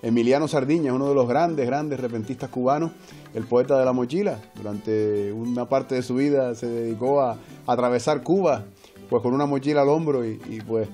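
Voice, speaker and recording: A man's voice: medium pitch, moderate pace, mellow, soft background music. A man in his forties with a Canarian Spanish accent, chatting as a guest over a video call from home. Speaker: guest folk poet. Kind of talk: conversational interview by video link. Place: home room with books and drum. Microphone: earphone mic on video call.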